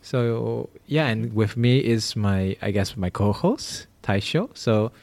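A man's voice: fairly low pitch, slow pace, vocal fry, a little mellow, no echo. A young man from Malaysia hosting a casual podcast, rambling with lots of fillers. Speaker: podcast host. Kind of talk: casual chat.

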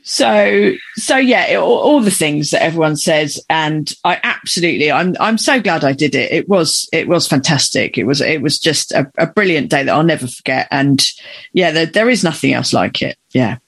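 A woman's voice: low-pitched, expressive, moderate pace, vocal fry, slightly rough. A woman with a South London accent talking casually and candidly, with some swearing and self-deprecation. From South London, England. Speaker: podcast guest, amateur marathon runner. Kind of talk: casual chat.

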